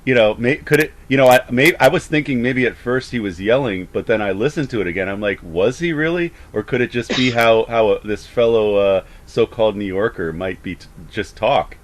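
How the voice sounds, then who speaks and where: A man's voice: mid-range voice, a little fast, few pauses. A man chatting casually, rambling with frequent stammers and false starts. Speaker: host of a call debrief. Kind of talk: casual chat.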